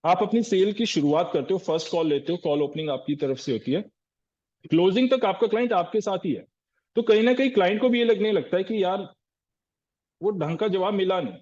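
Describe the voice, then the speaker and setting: A man's voice: high-pitched, animated, fairly quick, a little mellow, highs cut off. A man giving a live sales training session, asking rhetorical questions and answering them himself, often calling his listeners "sir".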